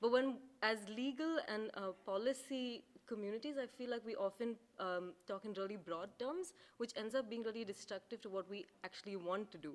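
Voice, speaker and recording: At a moderate pace, this is a normal speaking voice. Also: woman, fairly high pitch for a woman. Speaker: AI policy researcher. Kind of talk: panel discussion. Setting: stage with audience. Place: meeting room. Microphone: podium.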